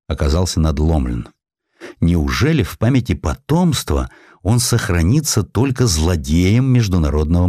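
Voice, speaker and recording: A man reading a historical essay as a dramatic audiobook narrator, with expressive, theatrical emphasis. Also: sits low, no echo, studio quality.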